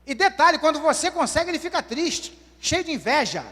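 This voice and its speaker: A man's voice: very high voice, big pitch swings, fairly quick, pushed and bright. A man, preaching a sermon and questioning the congregation as "dear ones". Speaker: pastor. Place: church hall. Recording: long church hall reverb.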